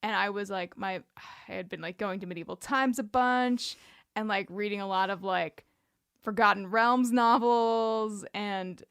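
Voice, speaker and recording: A woman with a clear, smooth voice at a middling pitch co-hosts a casual podcast. She talks and tells stories in a wry, playful, informal manner. The recording is dry and close. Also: measured pace, a bit bright, no echo. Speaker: podcast co-host. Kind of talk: casual chat and personal storytelling.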